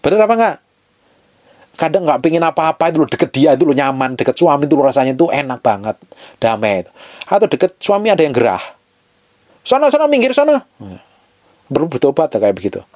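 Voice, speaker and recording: A middle-aged man preaching a sermon in a lively, playful way, acting out quotes and asking the crowd questions. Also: on the high side, fast, no room sound. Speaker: pastor.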